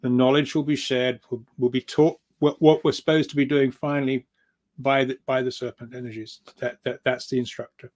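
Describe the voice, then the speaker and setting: Halting man of medium pitch. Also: level tone, darkish tone. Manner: halting, stammers and repeats words. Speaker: guest speaker, grid researcher. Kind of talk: informal interview talk.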